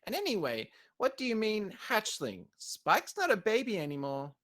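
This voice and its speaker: Young chatty girl pony voiced by a woman, cartoon audio drama, very animated pitch, cheeky and bubbly. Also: moderate pace. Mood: indignant.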